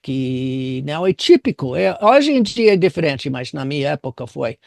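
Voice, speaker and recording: A man's voice: fairly high pitch, very animated, vocal fry, no room sound, clean studio sound. An older man from the United States with an American accent, a native English speaker, telling his story in an interview and often searching for words. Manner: halting, searching for words in non-native Portuguese. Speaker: business consultant interviewed as guest.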